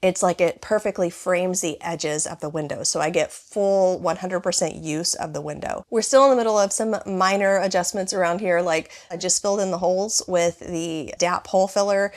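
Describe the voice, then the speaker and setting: A woman in her thirties with a hoarse, raspy voice from bronchitis, chatting casually as she tours her small living room. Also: fairly low pitch, normal speed, few pauses. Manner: chatty, rambling with many "like" fillers. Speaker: home vlogger. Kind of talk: casual home tour vlog.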